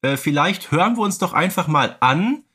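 A man's voice: on the high side, lively intonation, normal speed, bright, forceful tone, husky. A man co-hosting a podcast, talking casually in a humorous, tongue-in-cheek way. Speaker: podcast co-host.

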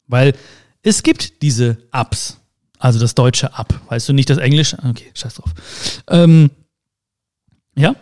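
A man giving a casual motivational monologue, talking straight to the listener with rhetorical questions and playful sound words. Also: fairly high pitch. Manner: animated, addresses listener directly with rhetorical questions.

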